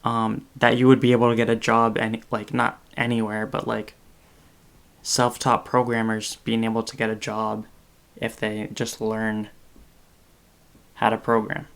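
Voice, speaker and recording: A man's voice: fairly low pitch, monotone, measured pace, gravelly, fairly bright tone, clear, resonant tone. A man in his twenties, a podcast host talking in casual chat on a video call, rambling with many fillers and self-corrections. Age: 20s. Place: small room indoors.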